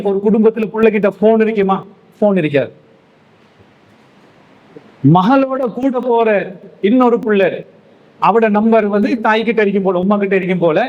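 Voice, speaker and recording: A male preacher gives a sermon, telling a story step by step and posing questions he then answers himself. His voice sits high for a man. The recording sounds dull and lo-fi. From Sri Lanka. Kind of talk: Islamic sermon to young men.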